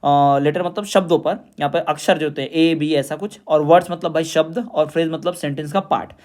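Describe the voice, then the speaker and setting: A man with a high voice teaching an exam revision class. He asks the students questions and answers them himself. He slows right down to read definitions word by word. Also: steady tone, darkish tone. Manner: explains in Hindi, reads definitions slowly in English.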